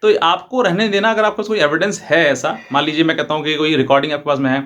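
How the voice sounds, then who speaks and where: A man with a slightly high voice speaks as a lawyer giving advice. He explains step by step in an informal way, circling back over his points and mixing in English legal terms. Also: fairly even intonation, fast talker, fairly bright tone. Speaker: advocate presenting legal advice videos.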